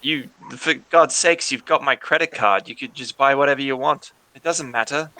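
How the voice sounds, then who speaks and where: A man's voice: mid-range voice, moderate pace, bright, forceful tone, dry recording, natural voice. A man voicing a wealthy, boastful, self-important father in a tabletop game, blustering and dismissive of his child's troubles.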